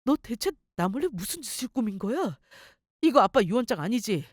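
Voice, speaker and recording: A woman's voice: a little high, expressive, normal speed, no room sound, clean studio sound, natural voice. A woman voicing a sneering arrogant husband. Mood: frantic. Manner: sneering, boastful, contemptuous. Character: arrogant cheating husband, company head, man. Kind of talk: story radio role-play.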